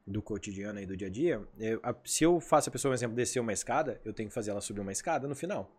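Fast-talking animated man telling stories. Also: lowish voice, husky. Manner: animated storyteller, acts out dialogue. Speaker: podcast guest, hypnotherapist. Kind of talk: casual podcast chat.

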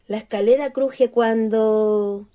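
A woman's voice: on the high side, fairly even intonation, takes it slowly, warm tone. An actress playing a shy, naive, wistful female ghost in a radio play, with a Chilean accent and a hesitant, girlish manner. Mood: shy, inviting.

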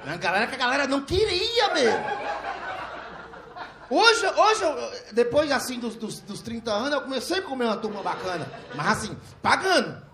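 A middle-aged man telling a profane stand-up comedy story on a live stage, laughing through his lines and shouting when he acts out the people in it. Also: very high-pitched, normal speed, creaky, noisy background. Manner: loud, laughing, animated, profane, slips into shouted voices for characters.

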